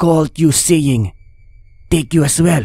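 Over background music, a man talks in a fairly high voice. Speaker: horror story narrator. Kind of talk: ghost story telling, narrated first-person horror tale with dialogue. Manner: hushed, suspenseful, dramatic pacing with tense, urgent delivery in the frightened scenes; polite, formal-toned storytelling, shifting between narration and character voices.

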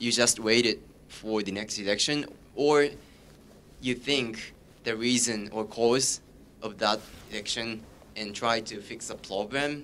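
Speaking at a fairly slow pace with long, frequent pauses, a man with a Japanese accent uses a medium pitch, a bright, sharp tone and fairly even intonation over light background noise. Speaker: exchange student. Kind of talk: group discussion. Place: meeting room. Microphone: handheld.

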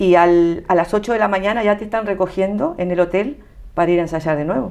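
With a Uruguayan accent, a woman talks at a moderate pace with ordinary pitch variation. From Uruguay, raised in Rio Branco on Brazil border. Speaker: concert pianist. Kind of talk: interview. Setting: television studio. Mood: calm, reflective. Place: studio. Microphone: lapel.

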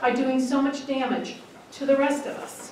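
A woman with a high voice speaks in a room with audible echo and light background noise. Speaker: audience member. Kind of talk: public comment statement. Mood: indignant, earnest. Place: hall.

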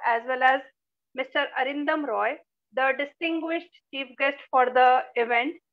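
The speaker is a woman with a high pitch. She talks at a fairly slow pace. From India. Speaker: event host. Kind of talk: compering an online poetry event. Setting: video call.

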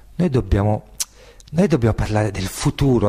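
The background stays quiet while a man's pitch swings very widely as he speaks. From born in France, back in Abruzzo (Teramo) at seven; Abruzzo, Italy. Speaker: contemporary artist. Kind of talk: interview. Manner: animated. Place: meeting room. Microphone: handheld.

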